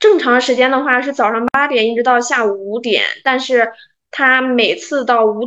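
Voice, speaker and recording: A woman speaks at a fairly slow pace in a high pitch. The background is quiet. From rural China. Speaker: student, former factory summer worker. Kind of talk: interview.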